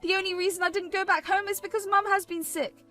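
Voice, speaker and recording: A firm, frustrated young husband, voiced by a woman narrator with a high voice that stays loud and insistent. He holds his ground and demands answers. This is a storybook reading with faint music underneath. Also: fairly even intonation, fast. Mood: defensive.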